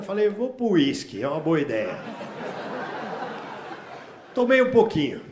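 Profane Brazilian man doing stand-up. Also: high-pitched. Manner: profane, slangy, acts out dialogue with voices. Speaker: stand-up comedian. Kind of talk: stand-up storytelling. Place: comedy stage before a laughing audience. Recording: echoey live room, audience noise.

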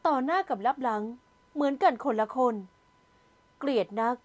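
A wounded young woman who stays polite but slips in sharp, sulky jabs, as voiced by a woman reader. Her voice is high and light. She belongs to a spoken romance novel. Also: animated, moderate pace. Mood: hurt polite.

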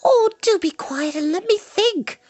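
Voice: very high voice, animated, a little slow, a little mellow, no room sound, pitched above the performer's own voice. A performer voicing a headstrong, impatient young princess for a storybook, with emphatic, urgent exclamations. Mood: urgent, demanding.

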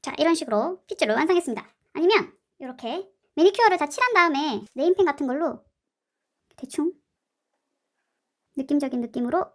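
A woman's voice: high voice, expressive, brisk, long pauses. A woman hosting a craft tutorial, chatting playfully and adding cute sound words as she works. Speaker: slime and clay craft channel host. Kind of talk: casual craft tutorial narration.

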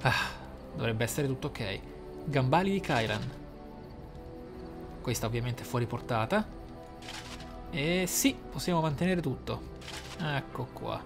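A man giving casual, excitable playthrough commentary, often thinking aloud. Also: medium pitch. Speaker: gaming channel host. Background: game music.

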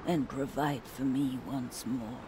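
An actress voicing an old village grandmother in a game, speaking a slow, solemn prayer. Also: rumbling low, steady tone, warm tone, slight background noise, exaggerated voice. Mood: prayerful. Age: older. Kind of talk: game cutscene dialogue.

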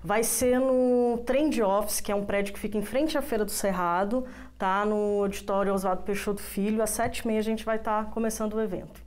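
A woman's voice: mid-range voice, steady tone, a little fast, a little mellow. Casual woman guest in a studio. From Brazil. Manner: casual, fillers and restarts, uses "a gente vai tá". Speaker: project coordinator, guest. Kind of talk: TV studio interview. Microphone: lapel mic.

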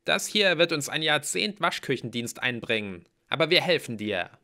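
A man reading aloud and voicing a grumpy, sharp-tongued young woman warrior, scolding and snappish. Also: fairly high pitch, expressive, normal speed, voice pushed up.

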